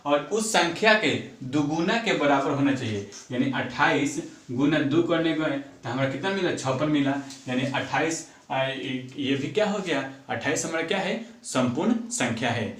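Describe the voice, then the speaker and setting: A man's voice: fairly high pitch, animated, moderate pace, fairly bright tone. A man teaching a math lesson, counting sums aloud and asking himself questions before answering them. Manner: repeats numbers aloud while working sums, asks and answers own questions. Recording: echoey room, far from mic.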